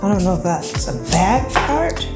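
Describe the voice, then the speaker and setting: A woman's voice: mid-range voice, big pitch swings, a little slow, over music. A woman casually narrating her home cooking in a chatty, unscripted way, thinking aloud as she goes. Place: home kitchen, indoors.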